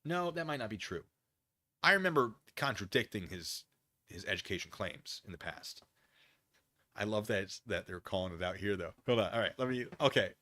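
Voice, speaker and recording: An American man streaming a dramatic reading of a document, breaking off into wry, excitable, casual asides as he goes. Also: lowish voice, moderate pace, no room sound. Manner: animated, wry, digressive, easily excited.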